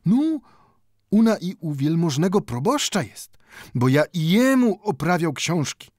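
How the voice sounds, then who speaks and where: A man's voice: mid-range voice, big pitch swings, unhurried, no room sound, clean studio sound, pitched above the performer's own voice. A man voicing an old Jewish bookbinder in an audiobook, speaking broken Polish full of "nu" and growing heated as he pleads. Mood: pleading. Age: older.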